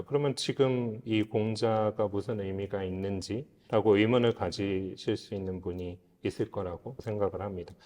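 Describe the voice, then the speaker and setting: A man whose voice is on the low side and dark in tone serves as a guest expert, explaining philosophy with earnest reflection, much like a lecture. The interview is recorded in a reverberant, hall-like space.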